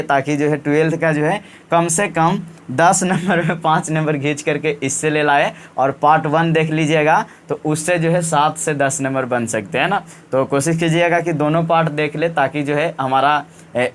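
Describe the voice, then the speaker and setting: A man with a slightly high voice teaches in a relaxed exam-prep style. He repeats each point and keeps checking with his students by ending sentences with a question tag. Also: clear, resonant tone. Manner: repetitive, coaxing, often ends with "है ना". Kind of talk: casual exam-prep lesson.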